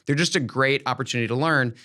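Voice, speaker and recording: A man with a bright, forceful, medium-pitched voice talks fast as he hosts a podcast. The education expert keeps it casual while dispensing emphatic, folksy, encouraging advice on teaching.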